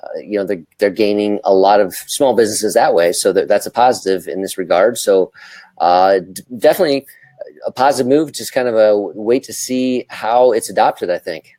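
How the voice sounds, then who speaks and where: A man's voice: fairly low pitch, normal speed, warm tone, no room sound, low-quality recording. A man co-hosting a talk show, giving casual commentary in a hesitant, stammering, tentative way.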